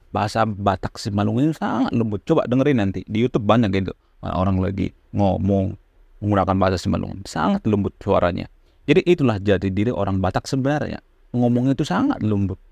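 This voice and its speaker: A man's voice: on the low side, creaky, darkish tone, no room sound. A man giving casual, earnest spoken commentary to his viewers, repeating his points with frequent fillers. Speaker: channel host giving commentary.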